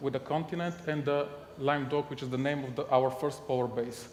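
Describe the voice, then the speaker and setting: A man with a Bulgarian accent speaks at a moderate pace in a fairly high voice, his intonation fairly even. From Bulgaria, Sofia. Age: 20s. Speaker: filmmaker. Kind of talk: project pitch presentation. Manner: halting, frequent self-corrections.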